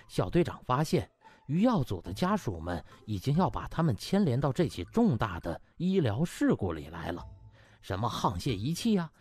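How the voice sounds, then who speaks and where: A man performs a comic audiobook with theatrical flair and casual, colloquial phrasing. His pitch swings very widely, and soft music plays behind him. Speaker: audiobook narrator. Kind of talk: animated comic storytelling. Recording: music under the voice.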